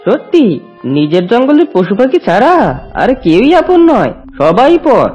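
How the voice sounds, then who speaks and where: Woman voicing a husky, swooping cartoon fox. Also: on the high side, big pitch swings, normal speed, darkish tone. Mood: weary, miserable. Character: stubborn, self-pitying fox wandering the jungle. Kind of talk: cartoon voice acting. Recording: dull lo-fi audio, music behind.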